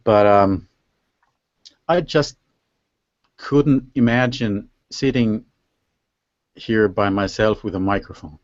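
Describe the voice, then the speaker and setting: Finnish-accented man, low voice, dry sound. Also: no echo. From Finland. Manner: halting, searching for words. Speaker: interview host. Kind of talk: casual conversational interview. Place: live video call. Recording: dull lo-fi online call audio.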